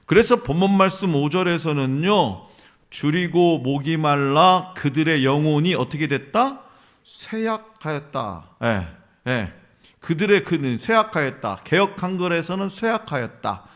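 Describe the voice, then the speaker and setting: A man's voice: on the high side, lively intonation, a little slow, a bit bright. A man preaching a sermon as a pastor in a church, emphatic, asking the congregation questions and answering them himself. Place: church sanctuary.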